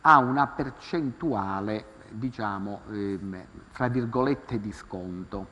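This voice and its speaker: A man's voice: fairly low pitch, slow, sharp tone. A man talks through a face mask, explaining hesitantly as a legal expert on a call-in programme. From Calabria, Italy. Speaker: lawyer, consumer-rights expert guest. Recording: dull sound, long hall reverb.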